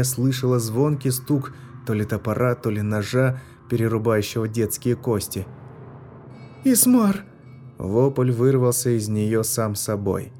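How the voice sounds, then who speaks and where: A man giving scripted narration of a dark fantasy story in a measured, tense manner. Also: mid-range voice. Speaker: audiobook narrator.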